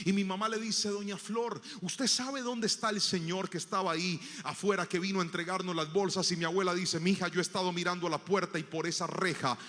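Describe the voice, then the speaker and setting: A man preaches in a large hall, his voice sitting high, as he narrates a personal story, imitating the voices of its people and rising to loud proclamation.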